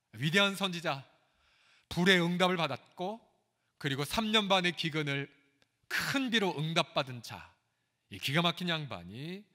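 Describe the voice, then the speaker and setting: A man preaching a sermon as pastor, acting out quoted prayers and replies, his voice rising to loud pleas and dropping to a hush. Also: on the high side. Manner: acts out quoted prayers and God's replies, swinging between loud pleas and hushed lines. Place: church sanctuary. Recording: live church recording with long hall reverb.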